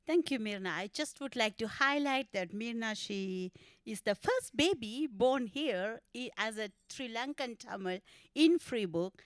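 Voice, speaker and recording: A woman's voice: a little high, expressive, unhurried, clear, resonant tone, no room sound. A woman moderating a round-table discussion in a friendly, informal way.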